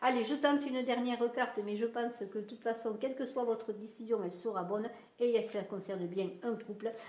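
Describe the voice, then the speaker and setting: A woman with a southern French accent speaks at a fairly high pitch, her intonation fairly even. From southern France. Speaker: tarot reader. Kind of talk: tarot reading. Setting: home video recording. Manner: hesitant, many fillers.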